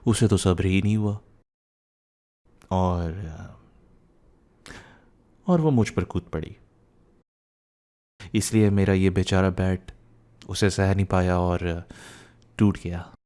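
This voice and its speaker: A man's voice: low-pitched, fairly even intonation, slow, long pauses, mellow, clean tone. A young man playing a teasing, playful and cheekily bossy young husband who gets flustered, in a boyfriend ASMR roleplay, mixing in some English. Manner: teasing, repeats words, mixes in English.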